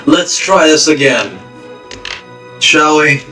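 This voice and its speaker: A man streaming a game, reading story text aloud with wry joking asides, slightly hoarse. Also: a little high, animated, slow, bright, forceful tone. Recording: roomy distant mic, music behind.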